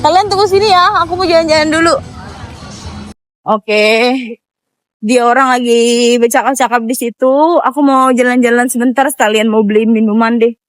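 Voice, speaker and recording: A woman's voice: on the high side, normal speed, long pauses, faint music behind, a faint crowd. A woman talks casually to her viewers. She sounds like a vlogger narrating an outing as she goes, in an informal, chatty style. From Indonesia. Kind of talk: casual vlog chat to viewers. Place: walking around a busy outdoor amusement area and nearby shop.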